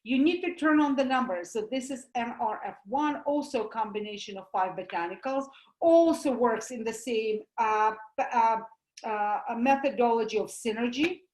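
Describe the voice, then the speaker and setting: Russian-accented woman giving an animated talk, higher voice, roomy echo. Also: normal speed. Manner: animated, emphatic, explains with everyday comparisons. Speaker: doctor giving a presentation. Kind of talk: promotional health talk.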